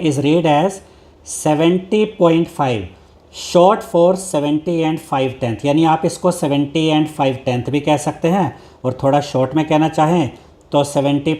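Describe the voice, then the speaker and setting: A man teaching a maths lesson, explaining step by step, repeating each point, and reading textbook lines slowly. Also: on the high side, dark tone. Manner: mixes Hindi with English maths terms, reads English textbook lines slowly.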